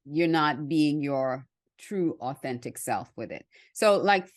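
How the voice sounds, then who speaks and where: A woman from Trinidad hosting a podcast, speaking candidly and enunciating clearly. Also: sits low, lively intonation, slow pace, no echo, studio quality. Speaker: podcast host. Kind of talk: conversational podcast interview.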